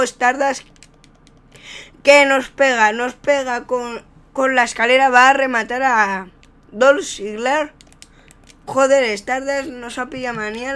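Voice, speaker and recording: Clear-voiced Spaniard doing wrestling commentary. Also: medium pitch. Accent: Spain. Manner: excitable wrestling-commentator style play-by-play. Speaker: video game commentator, player. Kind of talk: improvised gameplay commentary.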